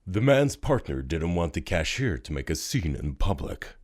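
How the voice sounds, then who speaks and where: A man narrating a scripted audio drama story in a dramatic, expressive storytelling manner. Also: sits low, moderate pace. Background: music.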